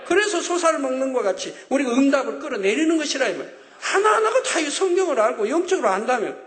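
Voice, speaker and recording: A male pastor preaching a sermon with emphatic, repeating phrases that rise to loud exclamations. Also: extremely high pitch, big pitch swings, quick pace. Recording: echoey hall with long reverb.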